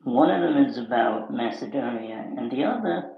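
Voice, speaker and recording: A woman's voice: rumbling low, lively intonation, normal speed, gravelly, phone-quality sound. A woman joining an online group call whose voice sounds hollow and cave-like through a bad connection, patiently repeating her point when talked over. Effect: hollow cave-like echo from a bad connection. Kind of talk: casual chat. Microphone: remote call connection.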